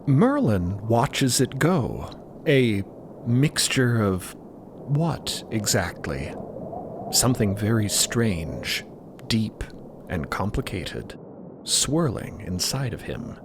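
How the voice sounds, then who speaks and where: Expressive, slow-paced man telling a story. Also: fairly low pitch, background noise. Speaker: narrator and voice actor. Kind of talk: expressive scripted audio drama narration. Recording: music behind.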